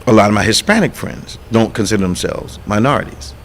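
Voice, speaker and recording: A man who pastors a church and hosts a radio talk show, speaking emphatically, restarting words as he builds to sharp indignant peaks. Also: lowish voice, lively intonation, fairly quick, a little hiss or hum. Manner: repeats and restarts words while building a point.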